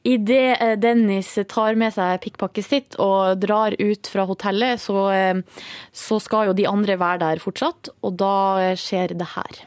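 A woman's voice: mid-range voice, steady tone, dry recording, studio quality. A woman from Norway co-hosting a radio show, recapping in casual banter with many fillers. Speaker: radio co-host.

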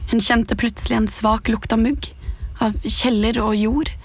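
A woman narrating a scripted horror story in a hushed, suspenseful way, often dropping to a whisper. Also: on the high side, level tone, breathy edge. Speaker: podcast narrator. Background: music.

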